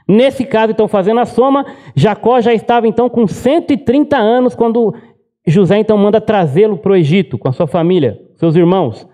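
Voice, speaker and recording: A male pastor preaching a sermon, retelling a Bible story conversationally and often tagging on quick questions. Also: high voice, warm tone.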